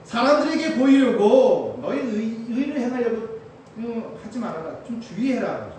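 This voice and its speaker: A man preaching a sermon as a missionary pastor, lively, acting out complaining churchgoers. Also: very high-pitched, moderate pace, a little hiss or hum. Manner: animated, acts out complaining churchgoers in raised voice. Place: church hall. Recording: echoey church hall, from far off.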